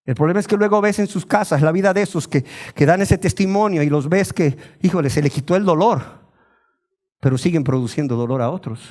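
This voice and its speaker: A man's voice: fairly high pitch, fairly quick, darkish tone. A pastor, preaching a sermon in a rhetorical, questioning way and mocking the claims he argues against.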